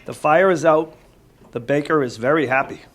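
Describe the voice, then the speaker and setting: A man's voice: fairly high pitch, normal speed. A man reading a picture book aloud to children as a firefighter, with casual asides and simple explanations. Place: room with a small audience of children. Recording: noisy live room recording.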